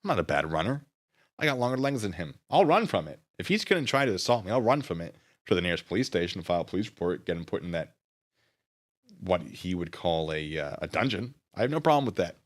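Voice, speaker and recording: A man's voice: deep voice, big pitch swings, quick pace. A man live streaming, rambling casually with mock-petty sarcasm while reading chat.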